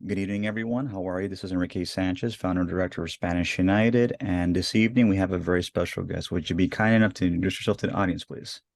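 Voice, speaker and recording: A man's voice: sits low, steady tone, fast talker, vocal fry, few pauses, darkish tone. A man hosting an interview podcast, speaking with enthusiasm and rambling through restarts. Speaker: host, founder of the organization. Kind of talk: casual interview.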